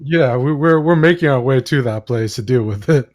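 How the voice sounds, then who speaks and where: A man's voice: mid-range voice, normal speed, darkish tone. A man playing a tabletop role-playing game, talking casually with the group.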